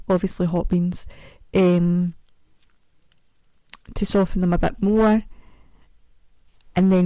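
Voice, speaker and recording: A woman's voice: mellow, no room sound, rough recording. A woman hosting a podcast in a casual, self-mocking ramble, speaking carefully around a sore mouth after dental work. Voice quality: deep voice. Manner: chatty, self-mocking, sings snatches. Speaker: podcast host. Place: home, audio only.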